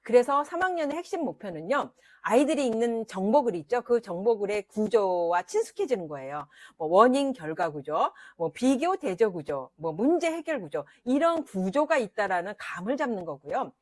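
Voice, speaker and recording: A woman's voice: fairly high pitch, big pitch swings, normal speed, few pauses, dry recording. A middle-aged woman teaching parents about children's reading, talking in an emphatic way with frequent fillers. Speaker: literacy educator. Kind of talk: parenting advice lesson.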